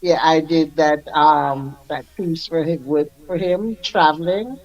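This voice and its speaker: Older man, unhurried, dull lo-fi sound. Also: fairly high pitch. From Jamaica. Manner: unhurried, reflective, laughs often. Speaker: music artist guest. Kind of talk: radio interview.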